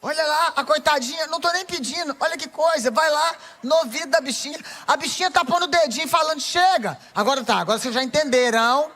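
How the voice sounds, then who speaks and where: High, bright Brazilian woman preaching. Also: fast, few pauses. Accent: Brazilian Portuguese. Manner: playful, teasing, addresses the crowd directly. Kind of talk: lively sermon to a women's audience.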